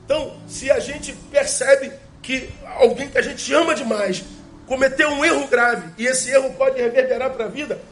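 A male pastor, preaching a sermon emphatically with rhetorical questions and slowly repeated key phrases. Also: very high-pitched, a bit bright.

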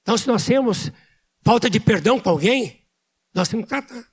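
A man preaching a sermon as pastor, speaking loudly with pauses and emphatic repetition. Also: very high voice, animated, breathy edge. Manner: speaks loudly by his own account.

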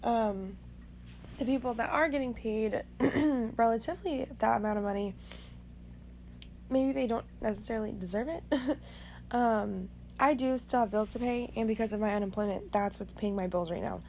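A young woman with a raspy voice, just woken up, rambling frankly and swearing casually as the host of her own podcast. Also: on the high side, moderate pace, darkish tone, slight background noise. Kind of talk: casual monologue.

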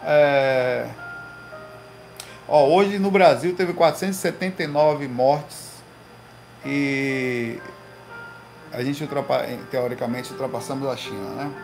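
A man hosting a casual livestream from his home, telling slangy, animated stories to his viewers. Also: mid-range voice, takes it slowly, gravelly, pauses often, faint music behind, poor audio. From Recife, Brazil. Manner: slangy, animated storytelling with lots of "velho" and "cara". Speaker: livestream host. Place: home room.

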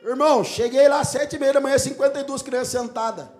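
A male pastor tells a story in his sermon with an extremely high pitch and fast delivery, animated and lively, sometimes breaking into shouts and laughter. Faint music plays behind him.

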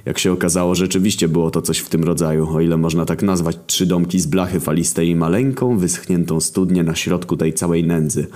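A man narrating a crude comic story in a deadpan, sardonic way. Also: low voice, a little fast, few pauses.

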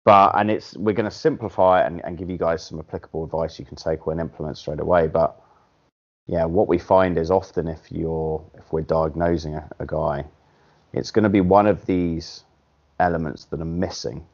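Deep low-voiced guy hosting a podcast, blunt, swears a lot, kinda muffled audio. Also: moderate pace. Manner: blunt, swears casually, animated when making a point. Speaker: podcast host. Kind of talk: casual podcast chat.

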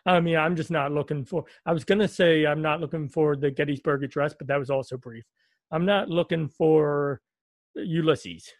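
Man, podcast host, fairly high voice, dry close mic, faint music behind, joking, rambling. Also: steady tone, moderate pace, no echo. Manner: joking, rambling, sarcastic asides. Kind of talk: casual podcast chat.

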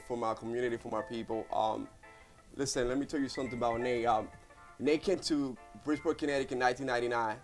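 A man in his thirties, a Spanish speaker, speaks as a studio guest in an easygoing, rambling way, circling back and restarting often. His voice sits at an ordinary middle pitch. Faint music plays behind him. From Puerto Rico. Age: 30s. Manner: rambling, heartfelt, many fillers and restarts. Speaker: guest, business owner. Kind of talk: casual interview talk.

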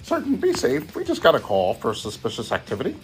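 A man's voice: medium pitch, wildly swooping pitch, fast, soft background music. Cartoon police dispatcher on the radio, clipped and businesslike, voiced by a man. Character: police dispatcher calling over the radio, adult. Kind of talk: homemade cartoon commercial.

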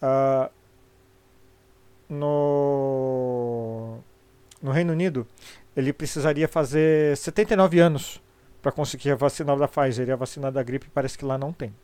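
A man's voice: medium pitch, steady tone, a little slow, pauses often, warm tone, clear, resonant tone, no echo. A middle-aged Brazilian man with a congested, sniffly voice from a cold, chatting casually and opinionatedly on a live stream in informal, sweary Brazilian Portuguese speech.

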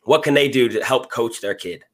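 A man's voice: mid-range voice, normal speed, a bit bright. A man hosting a podcast, asking thoughtful questions in a casual interview with hesitant fillers. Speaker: podcast host. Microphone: podcast microphone.

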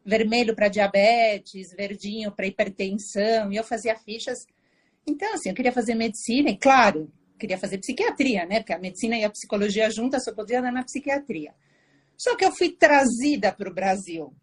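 A woman from Argentina, a psychiatrist guest on a video call, telling her story in a warm, animated way. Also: mid-range voice, moderate pace, breathy edge. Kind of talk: casual interview storytelling.

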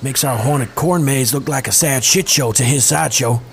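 A man's voice: mid-range voice, normal speed, slight background noise, lightly acted. A man playing a sardonic, foul-mouthed slacker hustler with a casual, slangy, wisecracking manner in an audio drama. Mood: scheming.

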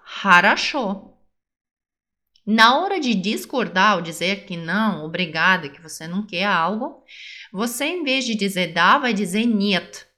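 Slow, lively woman language teacher. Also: mid-range voice. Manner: slow, careful modelling of phrases, repeating each. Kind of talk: podcast language lesson.

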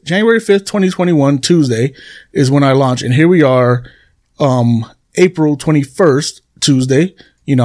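A man's voice: medium pitch, a little mellow. A man hosting a solo podcast, talking casually to his listeners and repeating phrases for emphasis. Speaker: podcast host. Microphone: computer desk recording.

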